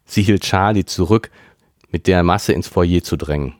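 Deep-voiced man reading a story aloud. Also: moderate pace, no echo, clean studio sound. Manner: unpolished reading, stumbles and corrects himself. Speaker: reader, podcast host. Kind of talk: reading a youth novel aloud.

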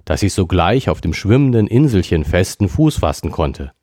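A man's voice: low voice, very animated, normal speed, mellow, dry recording, studio quality. A man reading an audiobook, voicing a blunt Canadian harpooner in a plain, matter-of-fact way.

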